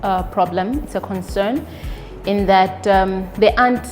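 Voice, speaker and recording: Woman, doctor's testimonial, measured and pausing, mid pitch. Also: darkish tone, faint music behind. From Zambia. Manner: earnest, measured, many ums and pauses. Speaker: obstetrician-gynecologist. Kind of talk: spoken testimonial.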